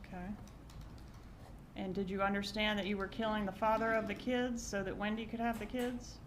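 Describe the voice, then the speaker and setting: A woman's voice: medium pitch, little pitch movement, moderate pace. A woman speaking as a prosecutor in a courtroom, examining a witness with short, pointed questions. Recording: noisy courtroom recording.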